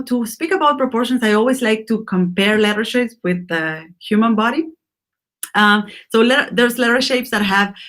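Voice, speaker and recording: A woman's voice: medium pitch, fairly bright tone. A woman from Argentina teaching a lettering class, speaking off the cuff with many ums and restarts. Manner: unscripted, many fillers and restarts. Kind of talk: class lecture.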